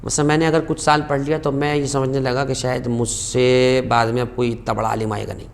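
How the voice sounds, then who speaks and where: This guest scholar on a religious talk show has a level, mid-range voice with vocal fry. He narrates with passion, spikes sharply on important phrases, and recites Arabic quotes slowly.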